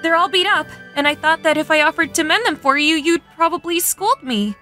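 A woman's voice: extremely high pitch, animated, fairly quick, bright, forceful tone, faint music behind, exaggerated voice. A woman voicing an earnest, easily flustered young female warrior in a fan dub of an anime game.

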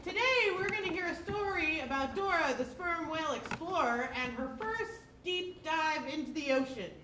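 A woman narrates a puppet show for a live audience in a welcoming tone. Her voice is very high. She sounds far from the mic in an echoing hall with noise behind. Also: normal speed. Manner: welcoming, announcing. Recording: echoey hall from far off, noisy.

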